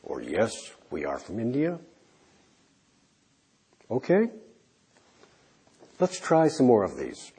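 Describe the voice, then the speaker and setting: Man, English teacher, slow careful delivery, lively pitch, mellow husky voice. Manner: modelling example answers clearly, trailing off softly. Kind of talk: slow, deliberate classroom instruction.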